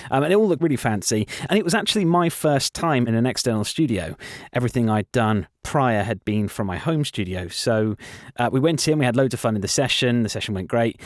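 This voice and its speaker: A man's voice: medium pitch, animated, a little fast, no room sound, studio quality. A young man, hosting a casual podcast chat and telling a self-deprecating story, laughing often. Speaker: podcast host.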